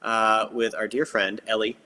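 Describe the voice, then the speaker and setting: A man hosting a casual livestream, reacting with quick laughs and plenty of wows. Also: on the low side. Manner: animated, laughs readily, reacts with "wow". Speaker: livestream host.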